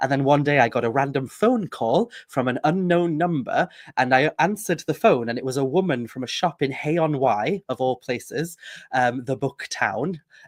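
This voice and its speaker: Lively intonation and a moderate pace come through in a Welsh accent. The sound is dry and close, with no echo. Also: man, fairly high pitch for a man. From Wales. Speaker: author on witchcraft and folklore. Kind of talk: casual interview chat.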